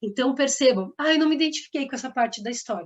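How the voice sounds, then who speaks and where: Lively intonation in a woman's high voice. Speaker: online course teacher. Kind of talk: online lecture. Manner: fast.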